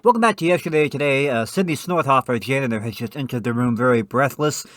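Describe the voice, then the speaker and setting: A man hosting a comedy radio show, hesitant and deadpan as he banters. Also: medium pitch, quick pace, dry recording, clean studio sound.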